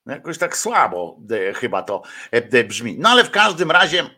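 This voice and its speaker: A man's voice: on the high side, huge pitch swings, moderate pace, pushed and bright, breathy edge. A man giving casual, rambling live-stream commentary, with lots of hesitations and crude slangy asides.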